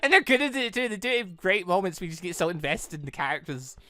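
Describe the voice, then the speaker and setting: An excitable, rambling gaming channel host giving casual let's play commentary, prone to breaking into laughter, on a close mic. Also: mid-range voice, fast, dry recording, faint music behind.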